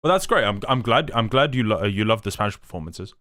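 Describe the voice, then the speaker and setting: A young man talking casually on a live stream, eager and rambling, often restarting his sentences. His voice sits a little low, and the sound is dry and close with no room around it. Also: animated, fast talker, fairly bright tone, no room sound. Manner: rambling, enthusiastic, many restarts and fillers. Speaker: livestream host.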